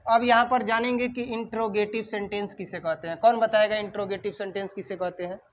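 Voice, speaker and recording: A man's voice: sits high, steady tone, fairly quick, slight background noise. A male teacher teaching English grammar in a classroom, calling on students and dictating sentences word by word. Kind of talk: classroom lesson. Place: classroom with a whiteboard.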